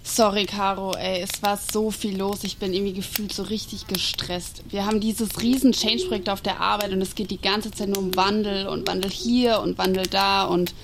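A woman's voice: mid-range voice, steady tone, moderate pace, vocal fry, hardly any pauses. A woman performing colloquial, scripted dialogue in an audio play. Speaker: podcast host acting in a short audio play. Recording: noisy binaural campfire scene.

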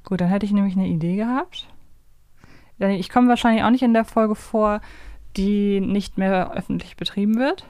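A woman's voice: medium pitch, steady tone, normal speed, a little mellow, clean tone, dry recording. A woman hosting a podcast, chatting casually and bantering through a quiz game. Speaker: podcast host.

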